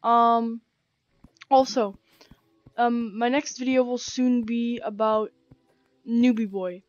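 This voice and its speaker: A young woman with a croaky, sore throat, rambling casually as she plays and comments on a game, full of slang and fillers. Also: fairly high pitch, fairly even intonation, slow pace, no echo, muffled recording, faint music behind. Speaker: gaming channel host. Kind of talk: casual let's-play commentary. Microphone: gaming headset.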